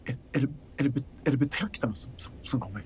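A man's voice: medium pitch, noisy background, close to an everyday voice. A man voicing a small, panicky male pug who stammers and repeats words in fear. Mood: frightened.

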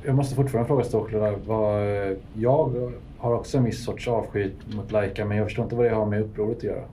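A man playing in character at a tabletop game who keeps pressing his point. His voice is dark and mellow. He argues stubbornly. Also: on the low side, fairly even intonation, slight background noise. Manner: persistent, argumentative. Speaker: player.

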